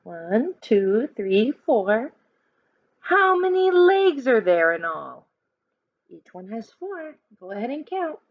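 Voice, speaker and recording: Animated, higher-voiced woman reading to children. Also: slow, dry recording, narrow, tinny audio. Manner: expressive, questioning, coaching listeners along. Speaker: teacher reading a picture book aloud to children. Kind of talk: animated children's read-aloud with counting questions.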